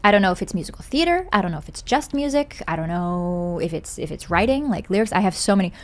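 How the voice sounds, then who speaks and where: A young woman talks as a guest on a podcast. She tells anecdotes casually and chattily, sprinkling in "like" and prone to giggles. Her pitch sits in an ordinary middle range for a woman. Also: expressive, quick pace. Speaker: podcast guest, voice actor and singer. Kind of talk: casual chat, telling anecdotes.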